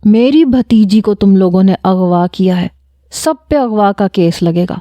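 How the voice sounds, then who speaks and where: A woman voicing an older aunt who shouts angry threats. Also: mid-range voice, no room sound, natural voice. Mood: threatening.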